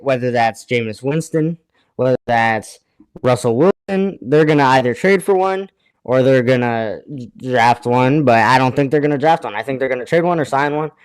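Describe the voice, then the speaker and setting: A man's voice: medium pitch, clean tone, poor audio. A man co-hosting a casual sports chat over a remote call, hesitant as he thinks aloud. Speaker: podcast co-host.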